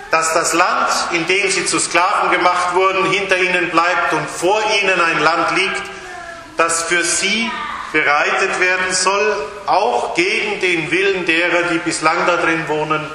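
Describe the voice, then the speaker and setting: A male pastor preaching a lively sermon at a baptism service in a church, shifting his emphasis and acting out voices in quotes. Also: sits high, measured pace. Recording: very echoey church hall, faint hiss.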